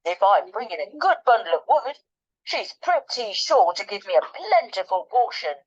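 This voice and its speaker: A woman's voice: mid-range voice, big pitch swings, normal speed, breathy edge. Woman doing a sly, crafty woodman. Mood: confiding. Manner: sly, coaxing. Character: crafty, boastful poor woodman. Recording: dull lo-fi recording.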